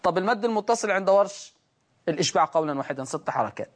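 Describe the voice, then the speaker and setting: A man's voice: high-pitched, expressive. Man teaching Quran recitation. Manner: asks rhetorical questions, then answers them and chants examples slowly. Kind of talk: televised recitation lesson.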